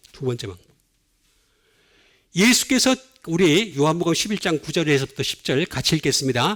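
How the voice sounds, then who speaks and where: Speaking at a moderate pace with long, frequent pauses, a man uses a fairly high pitch and very wide pitch swings. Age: 70s. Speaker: pastor. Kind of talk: sermon. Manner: animated.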